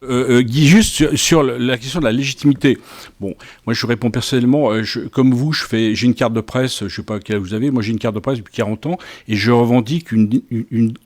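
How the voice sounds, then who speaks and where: Man in his sixties, journalist, middle pitch, ironic and defiant, hesitant. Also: a little fast, a little mellow. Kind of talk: panel remarks.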